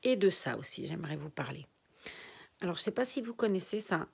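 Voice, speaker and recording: A woman's voice: on the low side, big pitch swings, brisk, vocal fry, husky. An older woman chatting casually to her viewers from a nursery room at home, rambling and often dropping to a whisper. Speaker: reborn doll collector vlogger.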